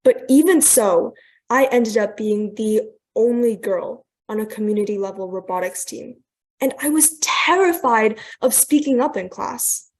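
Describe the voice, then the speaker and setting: A woman's voice: fairly high pitch, unhurried. A young woman, a student, giving an earnest, polished presentation over a video call. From Thailand, raised in New York. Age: young adult. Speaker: guest speaker.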